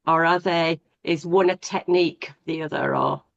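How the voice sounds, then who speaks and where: A woman's voice: fairly low pitch, steady tone, moderate pace, lo-fi sound. A woman with a northern English accent in a casual panel discussion, speaking directly and asking pointed questions. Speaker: panel guest.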